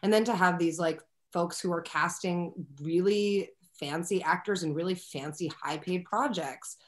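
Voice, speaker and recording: A young woman, an actor, talking candidly and animatedly with fillers as a guest on a video call from a room at home. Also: lowish voice. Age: young adult. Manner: animated, expressive, talks fast with many fillers. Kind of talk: candid conversational interview. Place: home room with a window, indoors. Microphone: laptop webcam on a video call.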